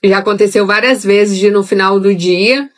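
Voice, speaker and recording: A woman's voice: medium pitch, steady tone, moderate pace. A young adult woman leading a live-streamed Bible study in a conversational way, speaking straight to her viewers. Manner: conversational, talks directly to viewers. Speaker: Bible teacher.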